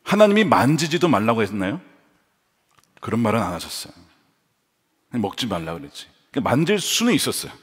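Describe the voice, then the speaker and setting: A man's voice: mid-range voice, fairly quick, pauses often, husky, long reverb tail. A male pastor preaching a sermon, shifting between a plain teaching voice and dramatized quotes. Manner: lively, voices the tempter and quotes in dramatic tones. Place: church sanctuary.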